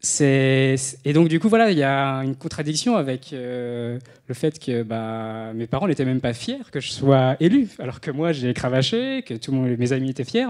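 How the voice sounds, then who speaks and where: A man's voice: mid-range voice, darkish tone. A man who holds local elected office, giving a personal testimony at a conference panel with frequent hesitations and fillers. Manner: halting, many fillers. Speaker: elected substitute deputy on a panel. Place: conference room.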